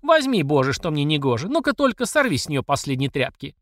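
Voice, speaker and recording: A man's voice: high voice, big pitch swings, brisk, no echo, clean studio sound, pitched above the performer's own voice. A man doing a fierce, folksy older mother. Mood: furious. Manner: shouting, mocking, folksy sayings. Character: fierce, furious older working-class mother.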